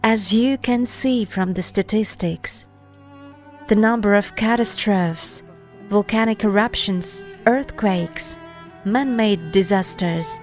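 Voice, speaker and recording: Female narrator for spiritual video: very slow, deliberate scripted read, soft music bed behind. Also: mid-range voice. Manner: measured, deliberate, phrase-by-phrase reading with pauses. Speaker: narrator reading an article.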